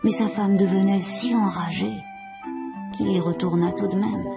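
A narrator reading a fairy tale in an expressive, measured storytelling style. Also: mid-range voice, gravelly. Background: music.

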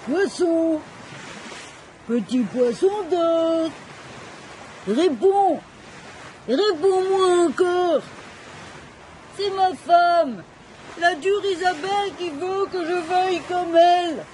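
A woman's voice: very high-pitched, drawn-out words, pauses often, mellow, big-room sound, slight background noise, heavily acted. A woman voicing a timid, kindly old fisherman in an audio storybook, with a pleading, wondering way of talking. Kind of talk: storybook acting.

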